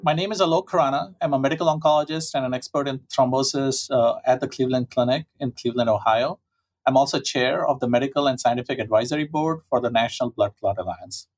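A man speaking as a medical expert, calmly explaining a lab test in plain, measured terms. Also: mid-range voice, soft background music.

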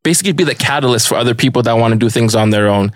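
A man's voice: mid-range voice, rapid-fire, no room sound, clean studio sound. A man from Ghana, a guest on a podcast, talking casually and loosely, with lots of fillers like "like" and "you know". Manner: relaxed, rambling, many fillers like "like" and "you know". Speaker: podcast guest, fashion brand founder. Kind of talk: casual interview chat.

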